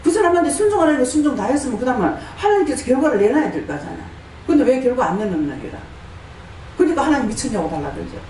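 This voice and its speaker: A woman's voice: high-pitched, big pitch swings, racing, dark tone. A woman pastor with a Gyeongsang accent, preaching a scolding sermon full of rhetorical questions. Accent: Gyeongsang Korean. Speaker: pastor and prayer house director. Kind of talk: fiery sermon. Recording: echoey hall, distant mic, faint noise.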